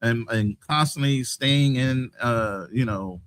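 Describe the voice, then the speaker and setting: A man in his late fifties in a casual podcast chat, giving advice in a steady tone. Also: medium pitch, slow pace, no room sound. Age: 50s. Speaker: podcast co-host.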